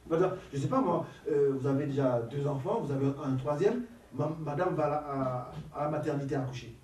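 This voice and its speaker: A man with a cold leading a Christian talk on marriage, casual and lively, laughing often and repeating words. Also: on the high side, brisk. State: has a cold. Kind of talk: casual teaching talk with a group. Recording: echoey room, from a distance, faint noise.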